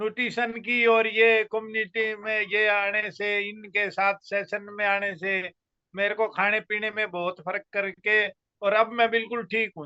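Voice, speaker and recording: Speaking in a flat monotone, a man with a high pitch shows big swings in loudness. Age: 60s. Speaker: participant giving testimonial. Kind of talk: testimony.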